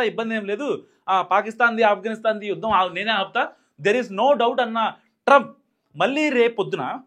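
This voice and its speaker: A man with a Telugu accent giving emphatic, fast-moving political news commentary, with frequent fillers and restarts. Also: very high voice, fairly bright tone.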